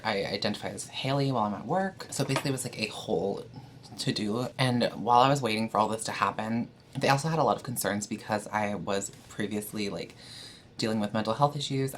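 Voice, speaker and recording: A woman's voice: extremely low pitch, fairly quick, slight background noise. A young trans woman from Canada chatting casually to camera, with frequent fillers and an easy, candid manner. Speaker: vlogger.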